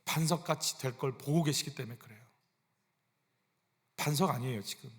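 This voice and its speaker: A man's voice: mid-range voice, a little fast. A man, a senior pastor, preaching a sermon in a conversational style, asking his congregation frequent rhetorical questions. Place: church sanctuary. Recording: long church hall reverb.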